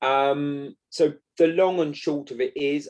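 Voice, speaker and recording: A man's medium-pitched voice with a British accent, at a very slow pace. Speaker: chronic pain patient sharing recovery story. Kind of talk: interview testimony.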